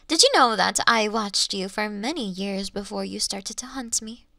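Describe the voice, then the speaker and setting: A woman playing an ancient, elegant monster in a Victorian fantasy audio drama, teasing her hunter in archaic, formal phrases with lingering pauses. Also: mid-range voice, vocal fry, sharp tone, no echo. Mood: wistful, amused. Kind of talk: slow theatrical roleplay monologue in Victorian fantasy audio drama.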